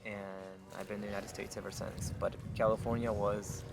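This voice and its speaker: A young man from Honduras speaks in a lowish voice, answering at an easy pace and pausing often with fillers. Music plays clearly in the background behind him. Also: level tone. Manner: thoughtful, searching for words with fillers. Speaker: interview guest. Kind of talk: casual interview chat.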